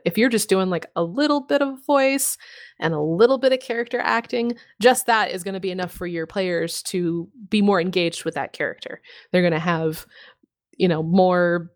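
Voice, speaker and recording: Casual laughing woman podcast co-host. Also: fairly low pitch. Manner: laughing, swearing, animated storytelling. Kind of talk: casual chat.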